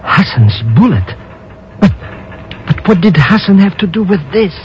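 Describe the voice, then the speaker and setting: An actor playing an excitable, jittery comic rogue sidekick in 1950s radio drama, stammering and repeating his words. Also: high-pitched, normal speed. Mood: nervous, bewildered. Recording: muffled, noisy vintage radio recording.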